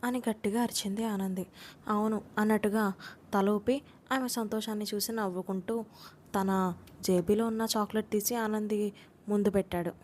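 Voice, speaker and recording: A woman's voice: medium pitch, darkish tone, slight background noise. A woman narrating an audiobook love story, reading every character's lines in her own voice with light acting.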